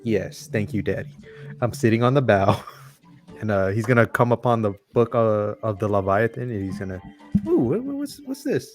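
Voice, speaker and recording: Joking, low-voiced male player. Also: very animated, moderate pace, soft background music. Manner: profane, laughing, playful. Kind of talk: casual joking banter.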